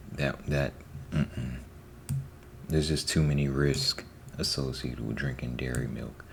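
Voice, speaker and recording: A man giving a soft-spoken ASMR ramble, breathy and often near a whisper, informal and repeating himself, close to the microphone. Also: rumbling low. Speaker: ASMR host. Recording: faint background noise.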